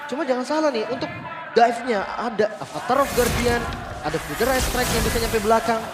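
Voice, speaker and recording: Male Indonesian esports co-caster, analytical, rapid delivery, loud music bed. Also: very high voice, expressive. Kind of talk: analytical live game commentary. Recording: loud music under the commentary.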